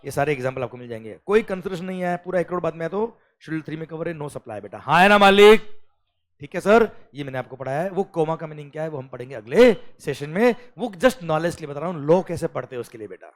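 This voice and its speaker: A male teacher gives a lecture with a slightly higher pitch than most men. He coaxes his students, keeps checking that they follow, and slows to a careful word-by-word pace when he reads legal text. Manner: animated, coaxing, mixes English phrases, calls students beta.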